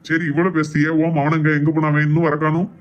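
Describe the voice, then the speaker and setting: A woman's voice: deep voice, highs cut off, voice pushed down, natural voice. Woman putting on a laid-back cartoon dad. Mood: dismissive. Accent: Kanyakumari Tamil. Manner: dismissive, calm, quick. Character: laid-back fifty-year-old father, calm and indulgent.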